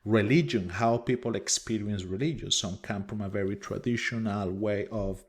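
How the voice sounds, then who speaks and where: A man's voice: lowish voice, normal speed. A man from Colombia with a thick Spanish accent, a minister giving a recorded lecture from his office in an earnest way, with many fillers and restarts. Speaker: minister and teacher.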